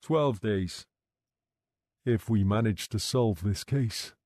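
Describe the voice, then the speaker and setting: A man voicing a calm, patient male detective who questions people gently and in a measured way. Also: lowish voice, no room sound.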